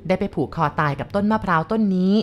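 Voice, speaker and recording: A woman voicing a calm forest monk. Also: mid-range voice, fast, muffled recording, slight background noise, close to an everyday voice. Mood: explaining. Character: calm wandering forest monk, older man.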